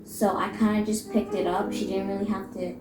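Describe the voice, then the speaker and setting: A young woman with a Canadian accent, chatting casually and haltingly, often filling in with "like". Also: medium pitch, level tone. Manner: halting, peppered with "like". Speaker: co-host. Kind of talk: casual chat. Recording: echoey room with clear music. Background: music.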